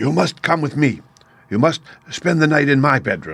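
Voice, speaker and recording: Putting on a raspy character voice, a man speaks at a moderate pace, fairly high in pitch, with ordinary pitch variation. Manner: hurried, urgent.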